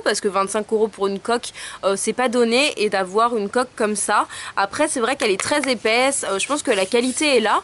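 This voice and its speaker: A woman's voice: fairly high pitch, a bit bright. A young woman chatting casually in a haul vlog, showing products with many hesitations. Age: young adult. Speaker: beauty vlogger.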